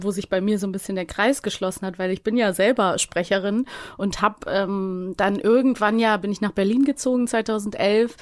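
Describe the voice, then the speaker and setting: Woman podcast guest, mid-range voice. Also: mid-range voice. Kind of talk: casual personal storytelling.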